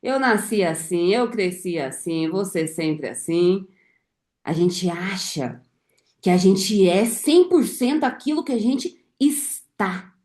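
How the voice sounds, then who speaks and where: A woman's voice: mid-range voice, animated, slow, darkish tone. A woman neurotherapist and coach giving a live motivational talk, emphatic, repeating key phrases and speaking straight to her viewers. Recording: echoey room.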